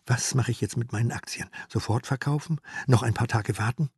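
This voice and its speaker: An older man in his eighties with a husky voice, playing a jobless man panicking over shares in a cabaret story. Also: a little fast, a little mellow, no echo, clean studio sound. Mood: fretful. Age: 80s. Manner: fretful muttering, panic rising to high cries.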